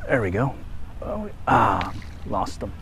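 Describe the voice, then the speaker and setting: A man filming himself fly fishing at a park pond, giving casual running commentary with relaxed, muttered asides while he casts, recorded on a head-mounted action camera outdoors. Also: lowish voice, slow pace, slight background noise, rough recording. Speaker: angler filming his fishing.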